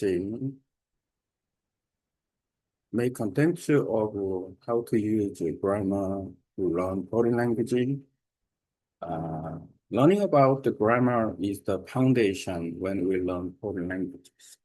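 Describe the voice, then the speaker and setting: Halting low-voiced man teaching a language lesson. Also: animated, mellow, rough recording. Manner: halting non-native English with fillers and throat clearing. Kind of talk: screen-share lesson, reading AI text aloud. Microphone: computer mic on a video call.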